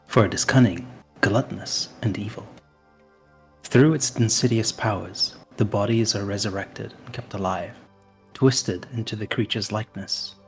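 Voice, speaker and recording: A man in a tabletop game session tells a dark legend in character. His low voice moves slowly and dramatically, leaning into the ominous moments, with faint music underneath. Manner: slow, dramatic, ominous storyteller delivery. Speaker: player.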